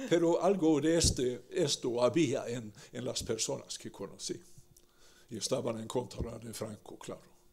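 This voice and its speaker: Loudness swings widely as a man talks at a fairly slow pace, medium in pitch and with ordinary pitch variation. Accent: Swedish. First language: Swedish (speaking Spanish). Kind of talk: interview. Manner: halting.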